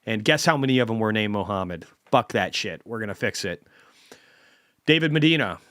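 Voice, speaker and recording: A man's voice: lowish voice, animated, normal speed, sharp tone, clear, resonant tone, no room sound, studio quality. Blunt, profane male stream host. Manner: blunt, heavily profane, ranting. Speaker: host of a market commentary stream. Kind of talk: unscripted ranting commentary.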